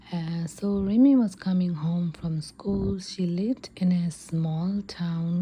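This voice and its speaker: A woman telling an ASMR story in a soft, breathy whisper, hesitant and unscripted, with pauses. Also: on the low side, a little hiss or hum.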